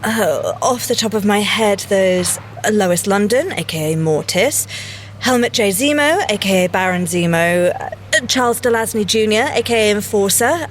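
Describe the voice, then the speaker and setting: A woman's voice: mid-range voice, lively intonation, moderate pace, a little hiss or hum, natural voice. A woman playing an earnest, nerdy young scientist agent in an audio drama, speaking precisely and politely and easily flustered. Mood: precise, dry.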